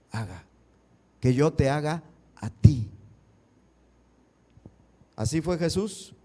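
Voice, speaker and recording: Pastor, male, higher voice, sermon delivery with rhetorical questions to the congregation. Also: darkish tone. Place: church.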